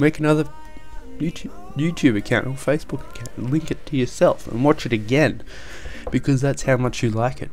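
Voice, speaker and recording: With music in the background, a man of medium pitch talks at a fairly quick pace, showing ordinary pitch variation and long, frequent pauses. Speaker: YouTuber vlogger. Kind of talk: casual monologue vlog. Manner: fast; free-flowing, rambling.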